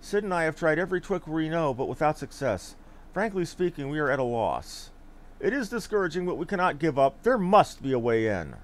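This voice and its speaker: A man's voice: on the high side, very animated, brisk. A man voicing an earnest, wordy male scholar in a fantasy game, speaking with formal, archaic courtesy. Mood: discouraged, resolute. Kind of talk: fantasy game dialogue read aloud.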